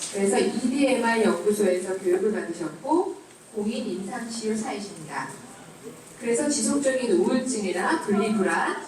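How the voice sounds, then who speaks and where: Woman reading a letter out loud at a talk show event, bit high, super echoey hall, sounds far from the mic. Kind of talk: live talk concert hosting and letter reading. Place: large indoor event hall. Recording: echoey hall, voice from afar with noise.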